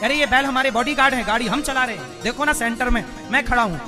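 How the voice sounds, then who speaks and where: A man's voice: very high voice, quick pace, music in the background. A man voicing a self-important pet dog that boasts it pulls the cart. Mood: boastful.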